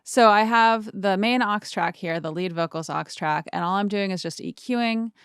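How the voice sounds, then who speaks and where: A woman's voice: mid-range voice, normal speed, a bit bright, clear, resonant tone, no room sound. A woman in her thirties hosting a casual music mixing tutorial, thinking aloud informally as she demonstrates, recorded close in a small studio. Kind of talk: casual screen-share tutorial talk.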